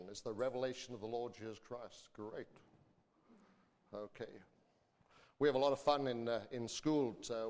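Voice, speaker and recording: A man preaching to a congregation, speaking informally and reading from scripture. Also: mid-range voice. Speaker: preacher and school teacher. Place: large reverberant church or hall. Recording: echoey hall with long reverb.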